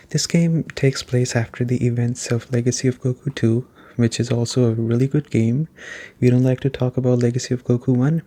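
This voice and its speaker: Soft-spoken man, low-key and even-toned. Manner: casual, conversational. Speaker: video game reviewer. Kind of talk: soft-spoken ASMR game review.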